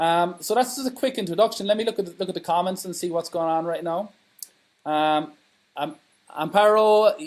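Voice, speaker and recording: A man speaks with an American accent at a high pitch. His pitch variation is ordinary. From Ireland. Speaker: e-commerce trainer. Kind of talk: livestream training. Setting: Facebook Live broadcast. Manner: fast, many fillers and restarts.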